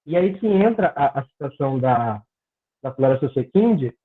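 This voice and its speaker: The speaker is a young graduate student from Pará, Brazil, discussing his research on a video call with earnest effort and the odd stumble. His husky, mid-range voice swings widely in pitch at a moderate pace. Tinny, phone-like call audio carries the academic conversation.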